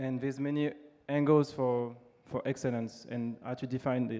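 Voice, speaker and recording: This man has a French accent and a dark, mellow tone at medium pitch. His intonation is monotone and flat, and he keeps a moderate pace. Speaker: jazz violinist and professor. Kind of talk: panel discussion. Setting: stage with audience. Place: stage. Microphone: handheld.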